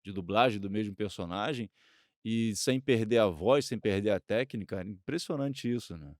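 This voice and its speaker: Low-voiced Brazilian man, casual and dry-sounding. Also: normal speed, a little mellow, no echo. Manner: hesitant, repeats phrase starts. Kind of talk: casual discussion and commentary.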